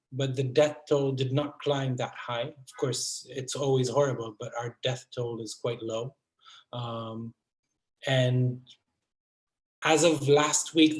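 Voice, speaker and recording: A male theatre guest explaining things in a measured way over a video call, with a few fillers. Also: mid-range voice. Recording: echoey room on video call.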